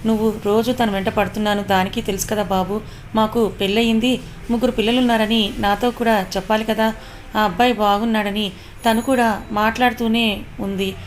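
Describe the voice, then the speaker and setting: A touchy young man who takes offense easily snaps and grumbles at his friends, as a woman reads his lines. Her voice stays mid-pitched and fairly flat, close to her narrating voice. There is a faint hiss behind. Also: a little fast, natural voice. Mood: irritated. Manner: snappish, complaining.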